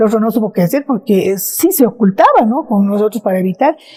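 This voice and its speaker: A woman speaks with a fairly high pitch. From Bolivia, Cochabamba. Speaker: retired social worker. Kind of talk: interview. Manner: halting.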